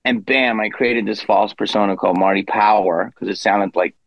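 A man's voice: lowish voice, fairly even intonation, normal speed, no echo, dull audio. A man in his fifties, a guest comedian telling a rambling story in a casual interview, with self-deprecating asides. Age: 50s.

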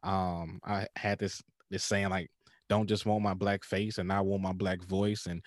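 A man in his thirties with an African American accent, telling stories in an animated, informal way in a casual podcast interview. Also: sits low, unhurried, no echo, clean studio sound. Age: 30s. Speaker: pastor and podcaster.

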